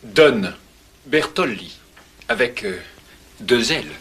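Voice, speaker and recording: A man's voice: medium pitch, animated, takes it slowly, a bit bright, slightly rough, heavily acted. An actor dubbing a cheerful, easygoing young man who comes calling, in a playful, breezy manner. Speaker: visitor courting a young woman. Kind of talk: French film dub.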